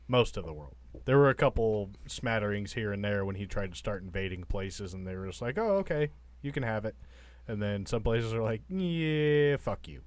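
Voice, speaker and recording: A man's voice: on the low side, darkish tone, smooth, dry recording. A man talking and explaining things casually as a player in a tabletop game.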